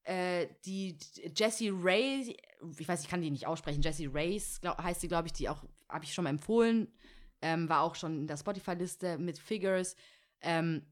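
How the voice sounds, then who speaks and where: A woman's voice: fairly low pitch, normal speed. A woman co-hosting a podcast in casual, slangy chat full of fillers. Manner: chatty, slangy, many fillers. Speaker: podcast co-host.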